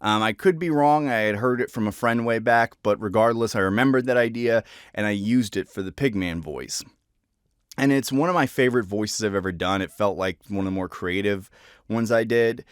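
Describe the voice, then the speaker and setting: A man's voice: on the low side, normal speed, clear, resonant tone, dry recording, clean studio sound. A man talking casually to viewers as a voice actor, presenting favorite characters.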